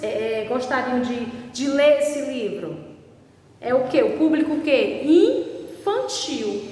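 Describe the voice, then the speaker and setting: A woman teaching a language lesson, stretching out examples slowly and checking with "right?" after nearly every point. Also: sits high, a little mellow. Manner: slow, drawn-out spelling of examples, constant "certo?" checks. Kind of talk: recorded online class. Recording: distant echoey room recording, faint background noise.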